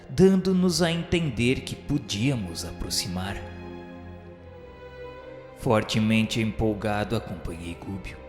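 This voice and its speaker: Brazilian guy narrating a radio drama, lowish voice, big hall reverb, solemn and bookish. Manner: literary, formal, solemn storytelling. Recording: echoey hall reverb, faint music behind.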